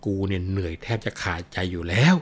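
A man voicing a coarse, domineering older mother who yells crude insults at her daughter. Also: low-pitched, fairly even intonation, fast talker. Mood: exhausted anger. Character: furious scolding old mother, coarse and domineering.

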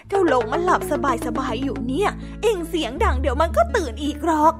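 A gruff country mother, put on by a woman, who scolds bluntly and bosses her child around in a kids' story. Her voice is fairly high. Music plays behind her. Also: lively intonation, a little fast. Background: background music.

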